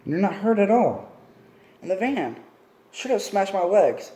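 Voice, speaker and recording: A stubborn, suspicious teenage girl , read out by a man in a mellow, near-natural voice, presses hard for answers and will not let things drop. The room sounds roomy and echoey around the reading. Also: fairly high pitch, big pitch swings, moderate pace. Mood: heated. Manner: pressing, insistent questions.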